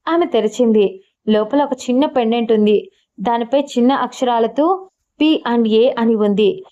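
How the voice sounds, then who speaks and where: A woman's voice: a little high, unhurried, dark tone, dull audio. Woman narrating a love story.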